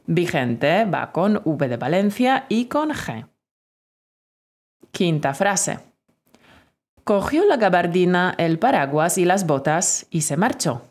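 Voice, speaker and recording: Slow, lively-voiced woman teacher dictating. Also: fairly low pitch. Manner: clear, deliberate dictation. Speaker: Spanish teacher. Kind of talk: spelling dictation lesson.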